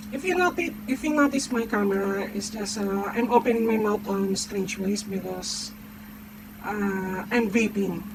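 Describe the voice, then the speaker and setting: A woman with a medium-pitched voice talks at a fairly slow pace with ordinary pitch variation over noticeable background noise. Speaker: video game streamer. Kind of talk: casual chat. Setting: live stream.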